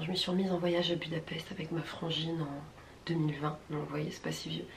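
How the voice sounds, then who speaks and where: Low, husky-voiced French woman with smoker's rasp. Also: reverberant, slight background noise. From France, from Rouen. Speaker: vlogger. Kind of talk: casual vlog chat.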